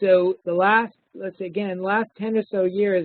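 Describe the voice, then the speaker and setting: With a Rhode Island accent, a man talks in a high pitch and fairly even intonation. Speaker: scientist. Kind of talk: webinar lecture. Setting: online webinar. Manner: halting, many fillers and repeats.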